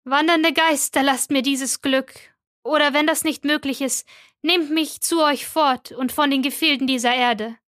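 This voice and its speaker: A woman's voice: on the high side, level tone, moderate pace, hardly any pauses, a bit bright, close to an everyday voice. A woman reading the part of a young male scientist, hurling furious, declamatory curses. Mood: rapturous. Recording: dry close studio sound.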